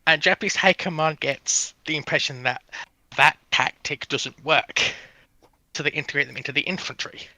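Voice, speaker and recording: A male panelist with a very bright, forceful voice, pitched a little high. He explains history in measured, short clauses, in casual chat. The recording is close and dry. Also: no echo, rough recording. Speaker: livestream panelist.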